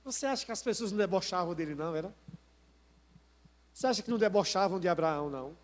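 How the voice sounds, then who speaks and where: A man's voice: sits high, animated, fast, in a large hall. A man, a pastor preaching a sermon in a church and prompting the congregation with rhetorical questions. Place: church sanctuary.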